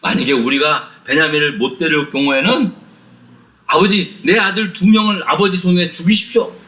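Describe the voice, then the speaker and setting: A man's voice: fairly high pitch, a little fast, sharp tone, pitched above the performer's own voice. Man voicing an eldest son pleading. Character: eldest son pleading earnestly with his father.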